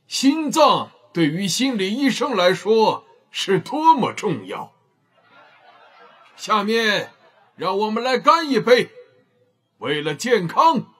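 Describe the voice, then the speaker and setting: Polite elderly professor in audio drama, husky, formal, pitch moving around a lot. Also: male voice, a bit bright, exaggerated voice. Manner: slow, formal. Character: courteous elderly male professor, measured and solemn.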